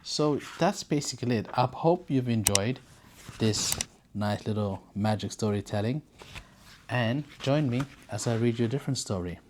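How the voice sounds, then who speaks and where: A storyteller reading aloud for children and chatting casually to viewers in an expressive, informal, encouraging way. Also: mid-range voice, moderate pace, noisy background. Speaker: storyteller and presenter.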